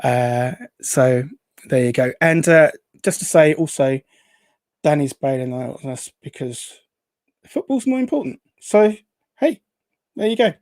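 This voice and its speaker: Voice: medium pitch, animated, unhurried, a little mellow, no echo. A host chatting casually on a live show, rambling and hesitant, reading out comments in an upbeat way. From Essex, England.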